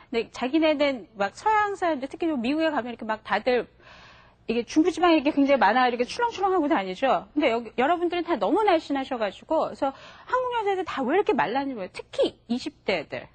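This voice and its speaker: A woman teaching an English vocabulary lesson to a class, chatting patiently and modeling each word for the students to repeat. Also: high-pitched. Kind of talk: classroom lesson for adult learners. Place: TV studio classroom.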